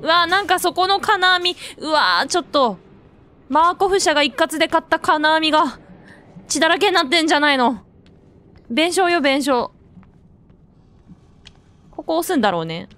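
Jittery, high-voiced woman gamer. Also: expressive, normal speed, long pauses, sharp tone. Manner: jittery, jokey, bursts into frightened shrieks. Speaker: let's play gamer. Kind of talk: horror game commentary. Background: faint game music.

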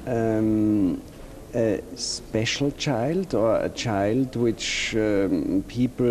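A man asking interview questions slowly, pausing often with ums. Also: on the low side, warm tone, a little hiss or hum. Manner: slow, halting questions with many ums.

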